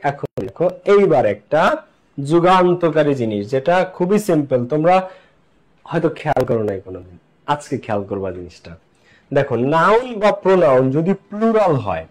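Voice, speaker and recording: A man's voice: on the high side, a little mellow. Man teaching an English class. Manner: asks and answers his own questions, repeats key points; slows down to spell out English examples. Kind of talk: online class lecture.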